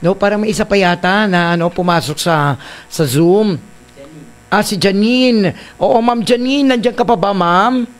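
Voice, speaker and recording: A man's voice: high voice, unhurried. A man hosting a casual radio interview, chatty with lots of fillers and tag questions. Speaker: radio host.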